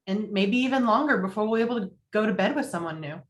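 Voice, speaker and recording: A woman playing a frank, opinionated single friend, quick to get indignant, in a film comedy table read. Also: medium pitch, animated, natural voice. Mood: sympathetic, wry. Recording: roomy, echoing home recording.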